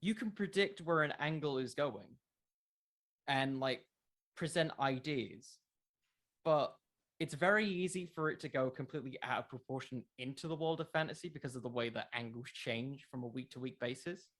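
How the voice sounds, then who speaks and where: Casual interview guest: young adult male, middle pitch, earnest, rambling explainer. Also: normal speed, a bit bright. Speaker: interview guest, wrestling content creator.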